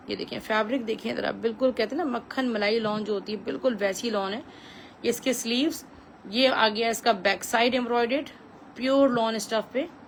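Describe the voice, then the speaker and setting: Pakistani lady selling clothes on a livestream, highish voice, chatty repetitive pitch, bit of noise behind her. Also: low-quality recording. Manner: chatty, repetitive selling patter with English phrases mixed in. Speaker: live-stream clothing seller. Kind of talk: live sales pitch.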